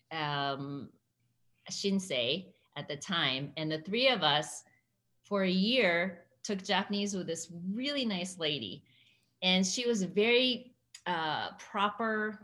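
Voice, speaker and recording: Guesting in a casual interview, an American woman in her sixties shares conversational stories and laughs frequently. Her voice is fairly low in pitch, with a bright, forceful tone.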